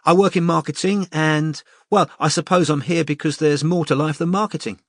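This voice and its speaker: A woman's voice: low voice, fairly even intonation, no echo, studio quality, pitched above the performer's own voice. A man voicing a nervous young woman who speaks hesitantly. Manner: hesitant, halting.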